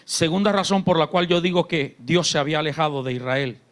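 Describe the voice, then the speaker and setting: A man pastor, preaching a sermon in church. His delivery swings between shouted fervor and quiet, confiding talk. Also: a little high, brisk. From Colombia. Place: church sanctuary.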